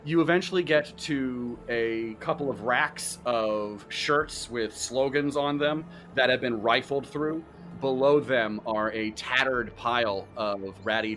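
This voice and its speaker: Slow, vivid game master narration. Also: male voice, medium pitch, a bit bright. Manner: unhurried, vivid second-person scene-setting. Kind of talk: tabletop role-play narration.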